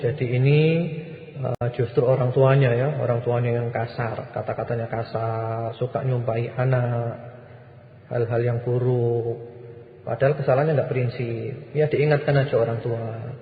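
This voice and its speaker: A man's voice: medium pitch, little pitch movement, measured pace. A male Islamic preacher answering listeners' questions in a firm, exhorting, repetitive manner. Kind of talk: sermon Q&A. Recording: echoey hall, muffled lo-fi recording.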